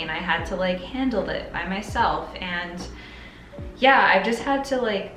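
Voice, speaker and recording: A woman in her twenties chatting casually in a bubbly, playful, hyperbolic way as a sewing vlogger. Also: mid-range voice. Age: 20s. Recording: roomy echo, music behind. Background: music.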